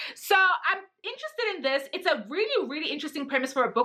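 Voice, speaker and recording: Over noticeable background noise, a woman projects a raised voice with an animated tone, very wide pitch swings and a fairly quick pace. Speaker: book youtuber. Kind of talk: casual chat. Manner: fast.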